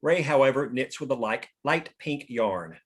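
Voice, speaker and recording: A man's voice: medium pitch, animated, moderate pace, husky. A man reading scripted narration and scene directions at a table read. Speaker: stage-direction reader.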